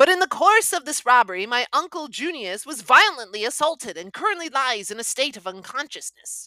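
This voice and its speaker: A woman's shaky, put-on character voice, high-pitched and raised to project, with very wide pitch swings at a fairly quick pace. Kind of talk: formal, Victorian.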